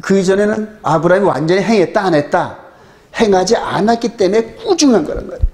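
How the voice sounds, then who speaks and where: A man preaching a sermon as pastor of his church, driving his points home with rhetorical questions to the congregation. His voice sits a little higher than most men's, and he leans hard on each point. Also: lively intonation, quick pace, a little mellow.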